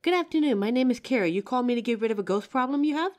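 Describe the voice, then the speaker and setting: Speaking at a racing pace in a slightly high, expressive, darkish voice, a young adult woman plays an earnest, confident, helpful young psychic. It is lightly acted scripted roleplay audio drama, addressed to the listener in a polite, assured tone.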